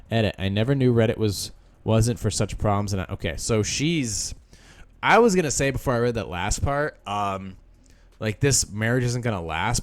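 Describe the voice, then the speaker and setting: Sarcastic man reading a post aloud. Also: on the low side. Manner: sarcastic asides between read lines. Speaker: podcast host.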